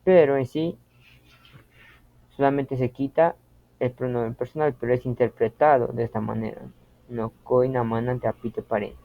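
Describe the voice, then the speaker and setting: A man teaching a language lesson, explaining slowly and patiently and repeating example phrases with care. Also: mid-range voice, fairly even intonation, vocal fry, no echo. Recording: dry, tinny phone-like audio.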